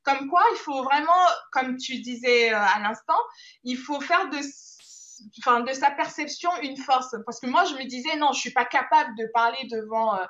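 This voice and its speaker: A woman guest on a live chat show speaks as an image consultant, hesitant and full of fillers. Her voice is high, bright and sharp. The audio is muffled, like a live stream. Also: moderate pace.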